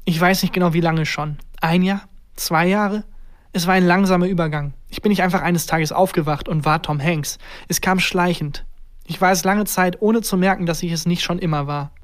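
A storyteller reading a scripted first-person story in a measured, unhurried way. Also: mid-range voice, fairly even intonation.

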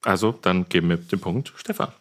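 A man's voice: low voice, a little fast. A man moderating a casual podcast quiz as its host.

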